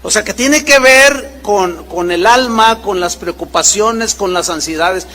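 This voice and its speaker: A man preaches in a high, bright voice with a long reverb behind him, the way a large hall sounds. He swings his pitch widely as he acts out short exchanges between people in his stories. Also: measured pace. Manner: animated preaching with acted-out dialogue voices. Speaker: pastor. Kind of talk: sermon.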